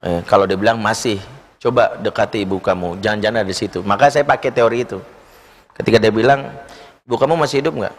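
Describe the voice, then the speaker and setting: In a large, echoing mosque hall, a man delivers a sermon full of stories, telling them with lively energy and acting out the voices he quotes. His voice is lowish and quick, with slight background noise.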